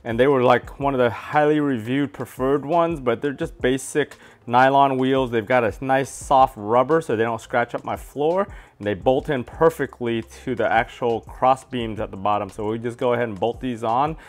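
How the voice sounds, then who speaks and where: A man in his thirties talks through assembling and testing a tool in his home garage. His delivery is easygoing and practical, sitting at an ordinary middle pitch. He sounds like a hobbyist sharing tips while he works. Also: normal speed. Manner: relaxed, practical, explains step by step. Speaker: DIY garage tool reviewer. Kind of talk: casual how-to narration.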